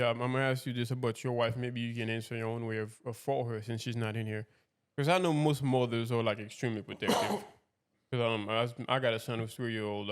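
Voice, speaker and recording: A man's voice: mid-range voice, clean tone. A man hosting a casual podcast interview, asking long, rambling questions with restarts. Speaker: podcast host.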